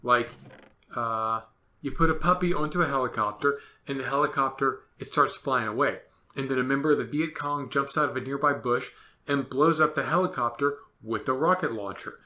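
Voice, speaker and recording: A man's voice: medium pitch, normal speed, sharp tone. A man ranting sarcastically in a solo commentary monologue, exasperated and full of absurd comparisons. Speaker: podcast host.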